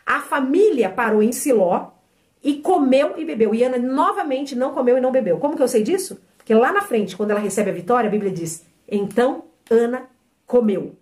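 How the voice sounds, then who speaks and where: Middle-aged woman preaching hard, high voice that leaps all over, fires questions at the crowd. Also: expressive, a little fast, darkish tone. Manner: emphatic and exhortative, asking the listeners questions. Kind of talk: sermon.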